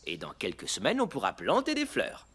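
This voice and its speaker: A man voicing a kind, patient cartoon dad, gently explaining things and encouraging his young son. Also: mid-range voice, huge pitch swings, fairly quick. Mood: patient, friendly.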